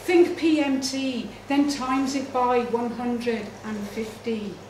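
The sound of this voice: A woman speaks slowly in a fairly high pitch, her tone slightly mellow and her intonation fairly even. Audible room echo surrounds the voice.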